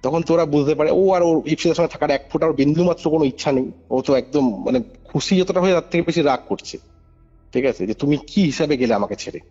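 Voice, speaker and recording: A man's voice: a little high, fast, mellow, slightly rough. A man telling a story informally as a caller, emphatic, repeating phrases and checking that the listener follows, over a phone. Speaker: caller recounting a paranormal case. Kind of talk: animated informal spoken storytelling. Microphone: phone call. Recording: muffled phone call recording over music. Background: music.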